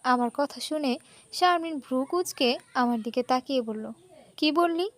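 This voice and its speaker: A woman with a high voice reading a short story aloud. She narrates in a lively, conversational way, like a storyteller sharing a tale with listeners. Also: moderate pace.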